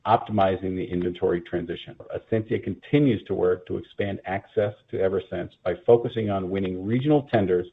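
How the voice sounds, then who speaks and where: A man reading a scripted corporate earnings presentation in a formal, measured manner, as a company executive. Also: low-pitched, slight background noise. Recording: muffled, phone-like conference call line.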